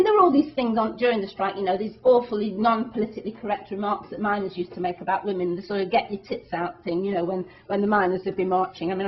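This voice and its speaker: A woman activist giving a public talk to an audience, speaking earnestly and emphatically, with many restarts. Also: a little high. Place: meeting hall. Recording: dull lo-fi talk recording.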